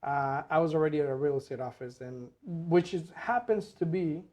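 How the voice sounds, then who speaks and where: A man co-hosting a casual podcast as a real estate agent, relaxed and chatty with many fillers. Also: a little high, normal speed. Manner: relaxed, repeats himself, filler-heavy.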